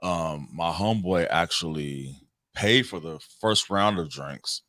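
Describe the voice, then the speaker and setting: A man's voice: sits low, measured pace, sharp tone, no echo. An American man in casual, slangy conversation, telling personal stories as a talk show co-host. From Cincinnati, Ohio, United States. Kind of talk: casual chat, personal storytelling.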